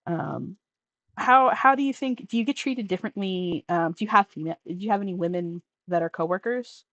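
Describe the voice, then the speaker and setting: A trans man hosting a casual call-in show, talking in a rambling way with many restarts and trailing off quietly. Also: sits high, a little fast, no echo, highs cut off. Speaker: podcast host taking call-ins. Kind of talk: casual conversational chat.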